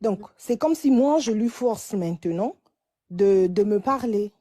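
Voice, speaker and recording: A woman's voice: mid-range voice, animated, unhurried, dark tone. A woman in her late twenties calling in for advice, telling her story hesitantly with many restarts. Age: late 20s. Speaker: caller. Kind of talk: phone-in advice call.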